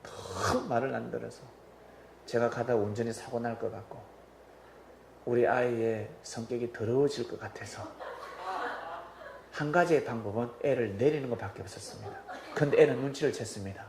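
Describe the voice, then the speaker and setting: A man's voice: medium pitch, normal speed, vocal fry, long pauses, background noise. A male pastor preaching a sermon in a church, telling stories animatedly and acting out voices. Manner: animated storytelling, acts out quoted voices. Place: church sanctuary. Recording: roomy hall with faint ambience.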